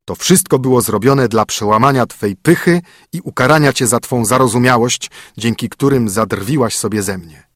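A man's voice: mid-range voice, normal speed, no echo, studio quality, lightly acted. A man voicing a stern young king disguised as a poor fiddler, commanding, in a storybook reading. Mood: reassuring. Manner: commanding, firm.

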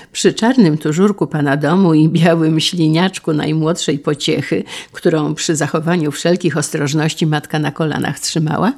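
An audiobook narrator with a gravelly, creaky texture and a mid-range pitch, reading a classic novel. The delivery is measured and even, plain storytelling.

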